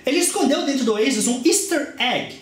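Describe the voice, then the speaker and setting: A man's voice: very high-pitched, lively intonation, fairly quick, roomy sound. A young man in his twenties with a Brazilian Portuguese accent, chatting enthusiastically through a casual book review. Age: 20s.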